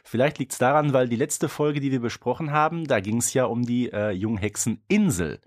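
Medium-pitched man co-hosting a podcast. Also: moderate pace. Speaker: podcast co-host. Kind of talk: casual podcast chat.

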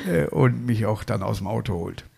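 A man in his fifties hosting a casual chat, animated and jokey, often tagging on "ne?". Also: on the low side, a little slow, vocal fry. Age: 50s. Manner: animated, jokey, many fillers like "ne?". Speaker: podcast host and comedian.

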